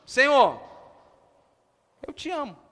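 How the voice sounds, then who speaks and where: A man's voice: extremely high pitch, very animated, takes it slowly, fairly bright tone, full character voice. A man with a Brazilian accent voicing Peter as a humbled, repentant grown man making a humble confession. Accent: Brazilian Portuguese. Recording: long church-hall reverb.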